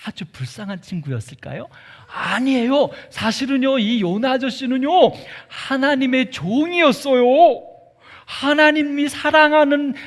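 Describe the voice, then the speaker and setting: A man pastor leads a children's sermon in a church, talking playfully and animatedly to the kids. His voice sits high for a man, and he swings it up and down as he tells the story.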